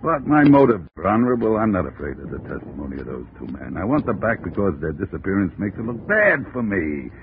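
Sly, deep-voiced gangster boss. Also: male voice, big pitch swings, quick pace, hardly any pauses. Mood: sly amusement. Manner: sly, chuckling, drawling. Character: smooth, amused gangster boss feigning honorable motives. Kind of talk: 1940s radio detective drama acting. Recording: muffled old radio recording, faint noise.

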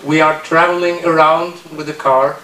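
A man's voice: on the high side, steady tone, normal speed, bright, forceful tone. Norwegian-accented man heard from afar. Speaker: visitor in conversation. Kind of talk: casual chat. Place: small room indoors. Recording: distant, echoey room, faint hiss.

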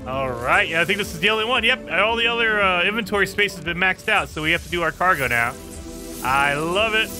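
A man hosting a gaming channel, chatting casually through gameplay, his voice a bit raspy and hoarse today. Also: high voice, animated, a little fast, over music. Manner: chatty, talks to viewers while playing. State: slightly hoarse.

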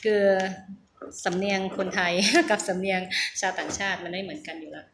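In an echoey room with a faint hum, a middle-aged Thai woman shares her English practice in a relaxed pronunciation vlog. Her voice is lowish, steady, a bit bright, and fairly quick, with vocal fry. She is hesitant, repeats words, and laughs at herself.

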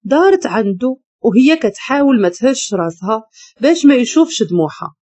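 A woman with a Moroccan Arabic accent narrating a dramatic story in an expressive, emotional way. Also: a little high, a little fast, slightly rough, dry recording, highs cut off.

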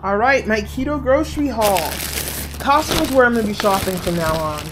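A woman's voice: on the high side, lively intonation, normal speed, background noise. A woman in her thirties, from Canada, chatting emphatically and with strong opinions in a casual grocery haul vlog filmed at home with a handheld camera. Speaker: vlogger. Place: small living room at home. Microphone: camera at arm's length.

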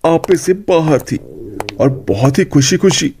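Mellow male story narrator. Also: fairly high pitch, unhurried, a little hiss or hum. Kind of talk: scripted cartoon story narration.

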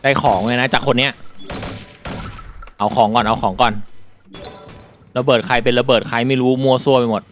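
A man reviewing a mobile shooter in casual commentary, explaining politely and then exclaiming excitedly while he plays. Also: mid-range voice, normal speed, long pauses, soft background music.

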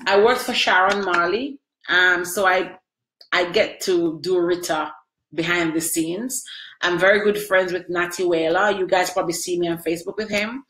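A woman's voice: fairly low pitch, steady tone, normal speed, a bit bright, slight background noise. A middle-aged woman chatting live on a webcam at home, sniffly from crying, emotional and talking to viewers by name. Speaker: livestream host answering viewers. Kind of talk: casual live video chat. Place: small room at home, indoors. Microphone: webcam at close range. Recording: echoey room.

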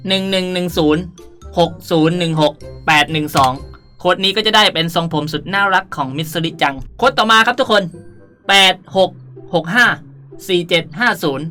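Speaking briskly in a lowish, pushed, bright voice, a woman hosts a casual game tutorial video. She reads out item codes in a playful, chatty manner with cutesy sentence endings, and background music plays underneath.

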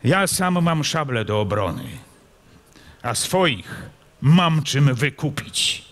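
A man's voice: on the high side, animated, slow pace, a bit bright, voice pushed up. An actor reading aloud, playing a bold, hot-tempered young nobleman soldier who speaks firmly and defiantly. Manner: firm and defiant.

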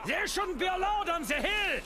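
A man's voice: very high voice, very animated, normal speed, heavy background noise. A man voicing a haughty, irritable, blustering champion skier in a children's cartoon. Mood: furious. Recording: loud music behind the voice.

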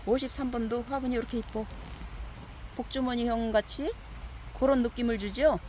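A woman's voice: on the high side, steady tone, moderate pace, a little mellow, slight background noise. A woman selling succulent pots, chatting casually as she shows and measures them for viewers with a coaxing, repetitive manner. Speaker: succulent pot seller. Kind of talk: casual product showcase.

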